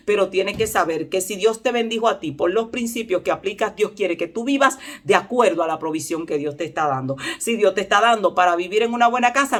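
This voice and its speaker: Animated Dominican woman pastor preaching. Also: mid-range voice. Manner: animated preaching, acting out voices of others. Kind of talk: sermon.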